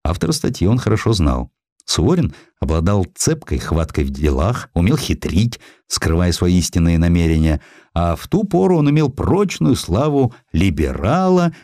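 A man reading a dramatized historical narrative in an expressive, theatrical storytelling manner. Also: low-pitched, no room sound, studio quality. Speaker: narrator, audiobook reader.

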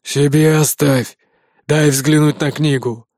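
A man's voice: on the high side, steady tone, takes it slowly, darkish tone, dry recording, clean studio sound. A man voicing a cowardly, scheming male hyena who leads a gang, hissing and snarling his orders.

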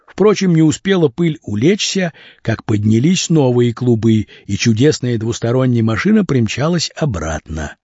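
A man reading a story aloud in an expressive, lively way as narrator. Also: medium pitch, normal speed, slightly rough, dry recording. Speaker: audiobook narrator. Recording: dull lo-fi dry recording.

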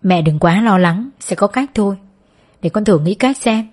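A woman voicing an anxious young man who speaks in a steady, reassuring way. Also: medium pitch, moderate pace, natural voice. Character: anxious young man trying to stay calm.

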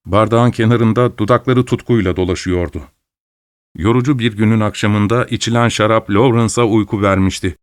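A man reads a dark tale aloud with measured, even delivery in a mid-pitched voice. The sound is close and dry, with no room behind it. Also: clean tone, no room sound. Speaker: storyteller. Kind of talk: read-aloud story narration.

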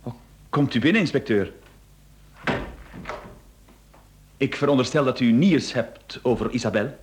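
A formal, indignant gentleman under suspicion, played by a male actor in a radio play. He is guarded and evasive, with a medium-pitched voice and lively, varied intonation. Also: fairly quick, background noise, close to an everyday voice. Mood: polite, guarded. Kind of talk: Dutch-language radio drama acting.

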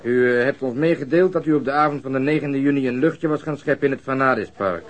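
An actor playing a stolid, pedantic police detective in a radio drama, formal, deadpan and insistent. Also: male voice, mid-range voice, fast talker, close to an everyday voice. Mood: businesslike.

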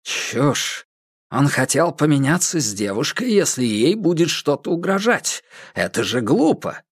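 A man's voice: on the high side, big pitch swings, unhurried, breathy edge, no echo, clean studio sound, voice pushed up, heavily acted. A man reading an audiobook voices a cold, impatient millionaire who speaks curtly. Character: cold, impatient rich middle-aged man.

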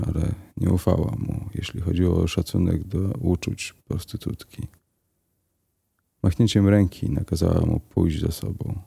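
A man narrating a crime story aloud in a calm, even reading voice. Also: deep voice, vocal fry, husky. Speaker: audiobook narrator.

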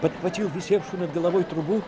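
A man narrating a Soviet war radio drama in a dramatic, measured literary storytelling manner. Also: high-pitched, steady tone, background noise.

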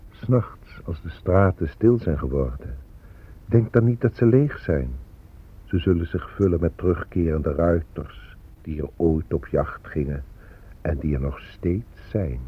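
A man's voice: sits low, slightly rough, full character voice. An actor playing an ancient Native American man, a solemn and mournful spirit of the dead, in a radio drama monologue. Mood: grave, warning. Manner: solemn, measured, poetic. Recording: tinny, phone-like old radio recording.

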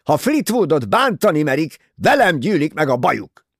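A man reading an audiobook, voicing a rude, hot-headed young man who is scornful and breaks into shouting. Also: mid-range voice, sing-song, gravelly, dry recording, clean studio sound. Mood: furious.

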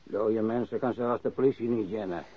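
An actor playing a crusty old warehouse worker and ex-sailor who grumbles and rambles bluntly, in a radio drama. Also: male voice, fairly low pitch, fairly quick, husky. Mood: bitter, blunt. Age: older. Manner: grumbling, rambling, cursing, repeats himself. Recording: dry, dull lo-fi radio recording.

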